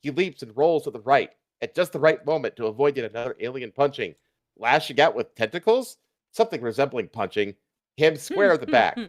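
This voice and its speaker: A man's voice: mid-range voice, a little fast, no room sound, studio quality. A man streaming a live fan fiction reading, stumbling over lines and tossing in irreverent comments. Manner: irreverent, animated, stumbles and rereads. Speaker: streamer, host.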